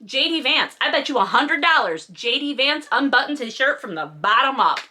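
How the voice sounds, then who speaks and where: A woman's voice: high-pitched, big pitch swings, moderate pace, sharp tone, slight background noise. A woman hosting a comedic read-along, mocking a book with sarcastic, exaggerated emphasis and plenty of swearing. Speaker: host reading a book aloud and mocking it.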